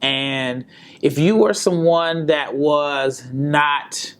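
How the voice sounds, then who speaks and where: A man hosting a solo basketball podcast in an easygoing, chatty way. His voice is slightly hoarse from a sore throat, and he often repeats words and restarts his sentences. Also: fairly high pitch, extremely slow, fairly bright tone. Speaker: podcast host and basketball scout. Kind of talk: casual solo podcast commentary. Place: hotel room or indoor spot in Las Vegas.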